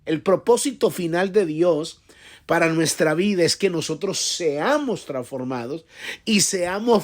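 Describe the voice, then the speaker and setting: A man preaching a devotional sermon as pastor, earnest and repetitive, often restarting his sentences. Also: on the high side.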